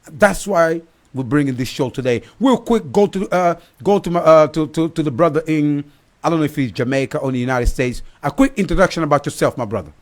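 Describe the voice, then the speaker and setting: A man's voice: on the high side, fairly quick. A man hosting a live online talk show who rambles, restarts and fills with "uh". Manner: rambling with many fillers and restarts.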